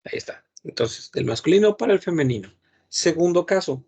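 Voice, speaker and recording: A French teacher with a slightly high, creaky, somewhat rough voice of darkish tone gives a patient online grammar lesson, speaking a little fast with lively intonation over lo-fi sound. He repeats each word several times and hums while thinking aloud.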